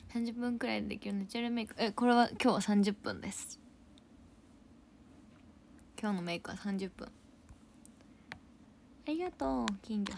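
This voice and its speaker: A woman's voice: a little high, slight background noise. Bubbly young woman chatting on a livestream. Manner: bubbly, thanks viewers for gifts, drops into soft whispery asides. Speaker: idol livestream host. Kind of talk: casual livestream chat reading viewer comments.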